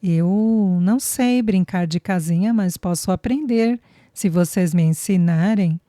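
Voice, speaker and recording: A woman narrator voicing a friendly grown man who speaks gently and playfully. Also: fairly low pitch, a little slow, no room sound, clean studio sound, close to an everyday voice.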